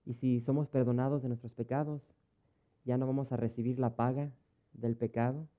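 Direction: a man preaching in an easy, conversational way, acting out the people in his stories at a mid-range pitch. The sound comes through thin and tinny, like a phone line. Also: little pitch movement, moderate pace. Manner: conversational, storytelling, acts out dialogue. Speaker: pastor. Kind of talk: sermon with personal anecdotes. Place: church.

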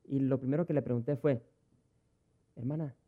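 A man's voice: mid-range voice, fairly even intonation, moderate pace. A pastor, preaching a sermon in a conversational way and telling stories from his congregation. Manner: conversational, storytelling, acts out dialogue. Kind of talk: sermon with personal anecdotes. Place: church. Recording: tinny phone-like sound.

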